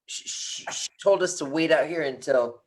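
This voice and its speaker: A performer plays an earnest teenage boy who quietly leads his friends. He speaks hesitantly at a medium pitch and catches on words with a slight stammer, as in a script read. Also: normal speed, lightly acted, poor audio. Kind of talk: script read at a virtual table read.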